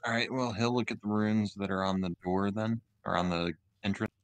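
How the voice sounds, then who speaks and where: A man's voice: fairly low pitch, fairly even intonation, moderate pace, no room sound. A man playing a tabletop game, casually thinking aloud as he describes what his character does.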